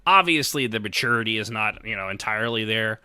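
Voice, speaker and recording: A man in his late thirties talks like a casual podcast host, with a bright, forceful voice on the low side. His pitch moves around a lot as he rambles, teases and jokes irreverently. The sound is dry and close. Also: expressive, brisk, clean tone, no echo. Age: late 30s. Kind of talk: casual joking podcast chat.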